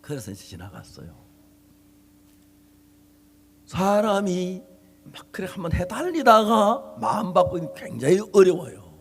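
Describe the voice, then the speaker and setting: A middle-aged male pastor preaching a sermon, telling a story in an animated way and acting out a quarrel in different voices. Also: sits high, normal speed, creaky, slightly rough. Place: church hall. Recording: long hall reverb.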